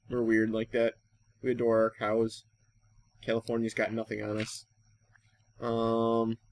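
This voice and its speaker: An American man from Wisconsin giving casual Let's Play commentary, rambling and thinking aloud as he goes. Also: on the low side. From Wisconsin, United States. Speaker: gaming YouTuber and host.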